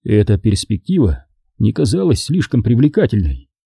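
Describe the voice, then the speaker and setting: A man narrating an audiobook in first person, measured and wry. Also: lowish voice, big pitch swings, creaky, dark tone, breathy edge, no room sound, studio quality.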